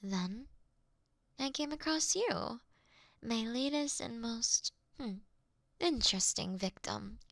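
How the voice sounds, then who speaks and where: A woman's voice: fairly high pitch, animated, creaky, no room sound, studio quality, heavily acted. A woman playing a courteous, doting vampire in a scripted roleplay, speaking intimately and breathily, often slipping into a whisper. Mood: wistful, confiding. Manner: slow, intimate, gently theatrical. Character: female vampire, courteous, doting, wryly confessing to her sleeping prey. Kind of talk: scripted roleplay audio for one listener.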